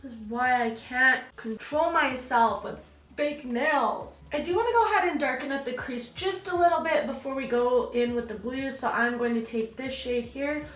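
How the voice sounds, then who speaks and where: Her high, slightly bright voice comes at a moderate pace, with a roomy echo around it. She's a young adult beauty vlogger with a stuffy nose, sounding nasal as she gushes, chats and teases herself through a makeup tutorial. The setting is a small room at home where dogs are playing in the background.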